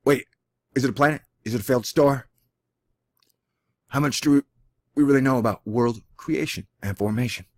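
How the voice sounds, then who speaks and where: A man's voice: medium pitch, normal speed, long pauses, a little mellow, no echo. A man with a Texan accent hosting a casual one-take vlog, reading a science article aloud with jokey, self-deprecating asides. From Texas. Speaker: channel host. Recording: dry, close lo-fi home recording.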